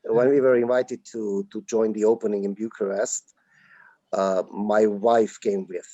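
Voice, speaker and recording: A man, a native Hungarian speaker and actor, answering slowly in a webinar interview over a video call, with many drawn-out fillers. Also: on the low side, fairly even intonation, warm tone, no room sound, lo-fi sound. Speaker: film actor, guest.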